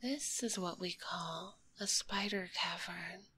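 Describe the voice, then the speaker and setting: A woman playing a kind, curious spider monster girl in a whispered ASMR roleplay, speaking gently in a breathy, politely formal way, close to a binaural microphone. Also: fairly low pitch, takes it slowly, full character voice. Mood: curious, teasing. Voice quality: breathy, hushed.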